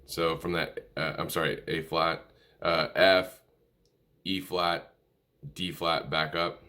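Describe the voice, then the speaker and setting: A man giving an informal music lesson, calling out notes in a halting, easygoing way and correcting himself as he goes. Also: extremely low pitch, steady tone, pushed and bright, slight background noise. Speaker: music tutorial instructor. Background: musical instrument playing between and under phrases.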